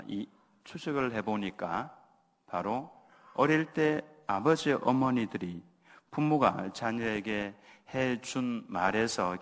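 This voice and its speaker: Male pastor, sermon delivery, mid-range voice, leads call-and-response readings, long hall reverb. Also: medium pitch. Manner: acts out gentle parental words softly. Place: church sanctuary.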